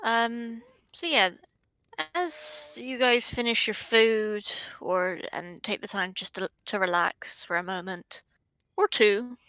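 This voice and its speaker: A woman's voice: mid-range voice, takes it slowly, bright, forceful tone, no echo. A woman narrating a tabletop game as game master, hesitant with many fillers.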